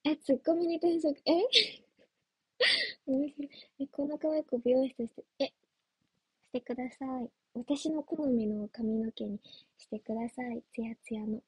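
A woman's voice: high voice, moderate pace, pauses often, a little mellow, slightly rough, dry recording. A young woman chatting casually on a livestream as an idol trainee, giggly and playful as she answers viewer comments. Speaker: idol trainee streaming live.

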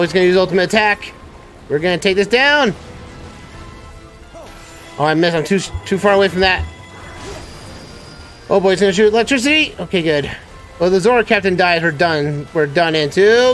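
A man streaming a video game live, reacting excitably with frequent exclamations and laughter. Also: sits high. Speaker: gameplay streamer. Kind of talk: live gameplay commentary.

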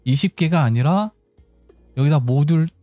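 A man's voice: on the high side, a little slow, warm tone, no room sound, faint music behind. A man giving casual game tutorial commentary, explaining step by step and thinking aloud as he goes. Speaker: gaming channel host.

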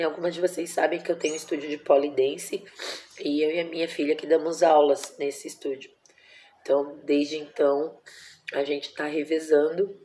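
Brazilian woman, 40s, home vlogger; low, dark tone, tender and emotional storytelling. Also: a little hiss or hum. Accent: Brazilian Portuguese. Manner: emotional, tender, uses many diminutives and fillers like "né". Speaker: vlogger, mother. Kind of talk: casual personal vlog storytelling.

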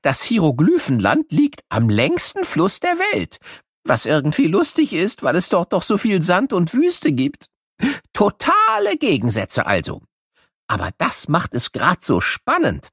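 An excitable, eccentric cartoon inventor, with a high voice that swoops wildly up and down. He is playfully boastful and theatrical, joking with young listeners in a children's audio play. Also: a little slow, slightly rough, dry recording, studio quality, heavily acted. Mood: jokey, enthusiastic.

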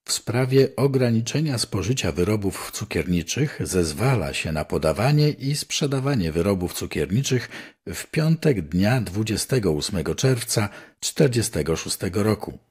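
Older man with a low, husky reading voice. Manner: measured, declamatory reading. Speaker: newspaper reader. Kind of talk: formal reading of old newspaper articles.

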